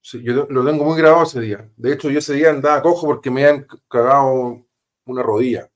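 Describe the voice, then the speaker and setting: A man with a Chilean accent tells a story as an interview guest, in a middle-pitched voice. He talks emphatically, repeats his phrases and uses casual slang. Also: fast. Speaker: interview guest, former police officer.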